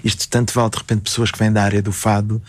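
A man's voice: lowish voice, little pitch movement, fast talker, no echo. A man with a European Portuguese accent, hosting an interview and affirming his guests often. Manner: attentive, frequent affirming murmurs. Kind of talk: conversational interview.

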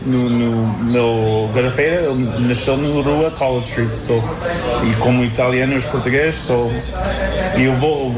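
A man born in Canada to Portuguese parents, interviewed in his shop, speaking haltingly and slipping into words. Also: mid-range voice, roomy sound, a crowd in the background, low-quality recording. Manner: halting, mixes in English words. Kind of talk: casual interview.

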